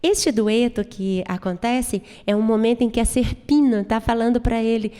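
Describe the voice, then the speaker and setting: A woman's voice: fairly high pitch, normal speed, smooth. Woman lecturing in an echoing hall. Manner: explanatory, animated, with frequent "né?" asides. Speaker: music lecturer and pianist. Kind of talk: live lecture on an opera. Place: university auditorium. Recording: long reverb of a live hall.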